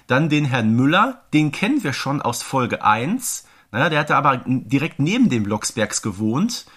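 A man's voice: mid-range voice, a bit bright. A man co-hosting a podcast in casual, enthusiastic chat, telling things emphatically with plenty of rhetorical questions. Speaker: podcast co-host.

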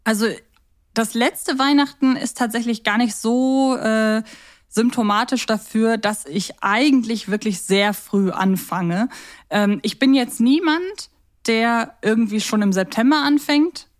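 A woman's voice: on the high side, a little slow. A woman co-hosting a podcast, chatting casually. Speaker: podcast co-host. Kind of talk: casual chat about audio drama episodes.

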